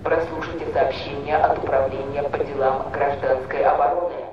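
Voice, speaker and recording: Flat, solemn loudspeaker announcer. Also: male voice, medium pitch, fairly quick. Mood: solemn, official. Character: male civil defence announcer, solemn air raid warning. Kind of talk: public address announcement. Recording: dull outdoor loudspeaker sound.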